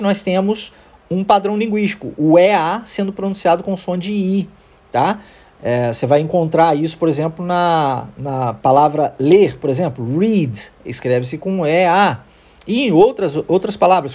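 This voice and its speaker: A man's voice: sits high, moderate pace, a little mellow. A man with a Brazilian Portuguese accent, an English teacher explaining pronunciation in a podcast lesson and often checking in with his listeners.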